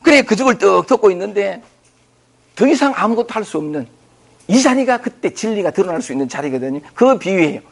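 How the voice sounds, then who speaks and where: A spiritual teacher with a gravelly, fairly high, sing-song voice gives an informal dharma talk on scripture to a group. He speaks fairly quickly and conversationally, loose and repetitive, thinking aloud with many fillers.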